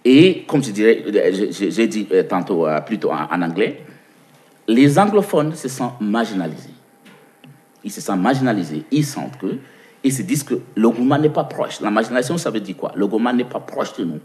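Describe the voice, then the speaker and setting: Very animated and fairly quick, a Cameroonian man with a fairly low, slightly mellow voice gives long answers as an interview guest. His accent is English-speaking Cameroonian, and he tends to repeat words as he hunts for them and to ask himself questions before replying.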